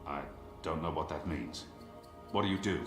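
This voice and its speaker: A man voicing a stern, terse former holy warrior in a video game, speaking gravely and curtly with quiet menace. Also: rumbling low, moderate pace. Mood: curt, guarded. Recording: game audio, echoey, music behind.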